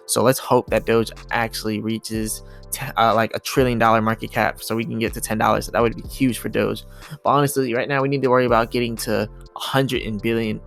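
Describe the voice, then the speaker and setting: A man's voice: medium pitch, vocal fry, a bit bright. A man giving casual, repetitive, hyping commentary over charts as a video host. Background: music.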